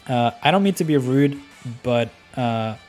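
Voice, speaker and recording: A man's voice: medium pitch, animated, a little slow, darkish tone. A man from Norway with a Norwegian accent, hosting a live game stream and chatting easily with viewers between plays. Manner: easygoing, chatty, with frequent ums and laughs. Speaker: livestream host. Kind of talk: live game commentary and chat reading. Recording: faint music behind the voice.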